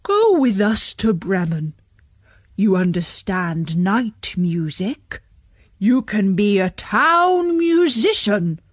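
A woman voicing an old runaway donkey in a children's story, eager to be a musician, with a hearty, drawn-out delivery. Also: medium pitch, big pitch swings, no room sound, clean studio sound. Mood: hearty, encouraging.

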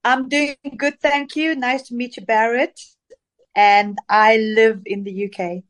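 A woman's voice: on the high side, steady tone, a little slow. A woman singer from Zambia answering interview questions in a chatty, rambling way with many fillers over a remote call. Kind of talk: casual interview.

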